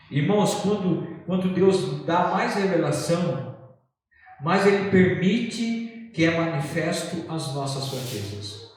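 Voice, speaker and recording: A man from Brazil, a pastor, preaching a sermon, often asking the congregation rhetorical questions, his voice rising and falling. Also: on the high side. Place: church sanctuary. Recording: echoey church hall from far off.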